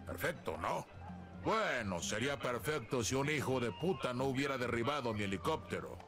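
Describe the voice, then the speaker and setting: Boisterous old guerrilla, swinging pitch. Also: male voice, expressive, moderate pace. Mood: conspiratorial. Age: older. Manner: theatrical, jovial, rough-tongued. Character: boisterous old male guerrilla legend, teasing mentor. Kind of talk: dramatic video game acting. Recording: loud game music behind the voice.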